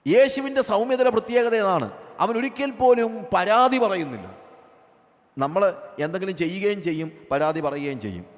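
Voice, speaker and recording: A male pastor with a Malayali accent preaching a sermon, asking rhetorical questions and swinging between loud emphasis and hushed lines. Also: high-pitched, in a large hall.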